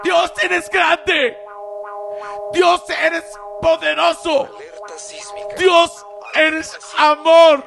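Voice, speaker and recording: A man's voice: extremely high pitch, little pitch movement, very slow, creaky, long pauses, music in the background, pitched above the performer's own voice, heavily acted. A man voicing a frantic middle-aged woman who screams her prayers in a wailing, sing-song way. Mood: shrieking prayer.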